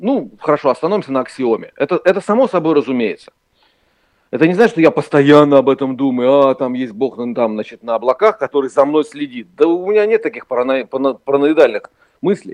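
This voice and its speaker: A plain, everyday voice comes through with lively intonation. The sound is dry and close, with no echo. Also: man. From former Soviet Union (Ukraine or Russia). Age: 40s. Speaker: theologian. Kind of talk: phone interview.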